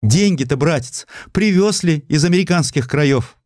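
Man voicing a plaintive, reproachful provincial sister, pitched up. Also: lively intonation, normal speed, darkish tone, no echo, studio quality, close to an everyday voice. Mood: bitter reproach. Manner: reproachful, plaintive, old-fashioned folksy speech. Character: upset provincial Russian gentlewoman, a reproachful unhappy younger sister.

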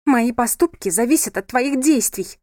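A woman's voice: animated, moderate pace, darkish tone, no room sound, clean studio sound, lightly acted. A woman reading aloud and voicing a defiant, tearful young wife who raises her voice and argues back. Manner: shrill, raised, pleading.

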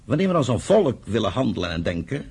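A man's voice: lowish voice, sing-song, fast talker, gravelly, a little mellow, husky, full character voice. A man playing a fiery, proud young Jewish pioneer settler in a radio drama, with an emphatic, commanding way of talking. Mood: earnest, teasing. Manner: commanding, emphatic, declamatory when roused. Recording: noisy old radio play recording.

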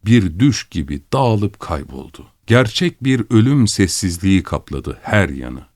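A man narrating an audiobook in a measured, musing reading voice. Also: low voice, big pitch swings, darkish tone, no room sound, clean studio sound.

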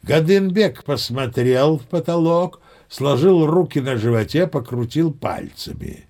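A man's voice: a little high, animated, unhurried, mellow. An actor playing a boastful old sea captain who narrates his tall tales with chatty, old-fashioned courtesy. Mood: storytelling. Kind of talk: audio play narration.

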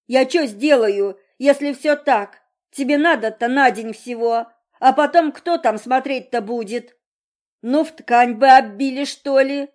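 A woman's voice: sits high, a little slow, a little mellow, voice pushed up. A woman voicing a poor, guilty father who rambles and makes excuses. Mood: pleading. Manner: rambling, pleading, excuse-making.

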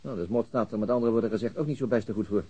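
An actor playing a reserved, thoughtful city detective who speaks hesitantly and asks terse, probing questions in a naturalistic radio drama. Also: male voice, lowish voice, racing, mellow, breathy edge, muffled recording. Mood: pensive, probing.

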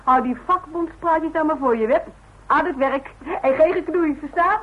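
A dull, slightly hissy radio recording carries an actress playing a grown daughter who runs the household. Her voice is on the high side, and she talks in a brisk, dry, bossy way, as in a radio drama. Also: natural voice. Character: brisk, caring, sharp-tongued grown daughter running the household. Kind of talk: radio play acting.

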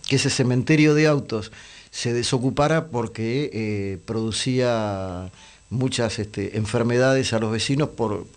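A man, hoarse and losing his voice, chatting on radio with many pauses and fillers. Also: medium pitch. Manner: hesitant, many fillers and restarts. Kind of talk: casual radio chat.

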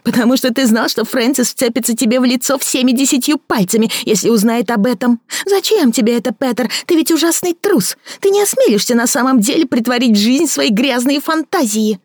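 Female reader doing a shrill jealous woman, scornful, overwrought, dry close sound, audiobook. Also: brisk, hardly any pauses, a little mellow, no echo. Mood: accusing, scornful. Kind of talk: audiobook character voicing.

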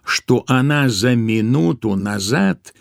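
A man's voice: mid-range voice, expressive, slow, gravelly, no echo. A man narrating a literary tale as an audiobook storyteller, expressively and with playful, wry intonation. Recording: studio audio drama with music behind. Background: music.

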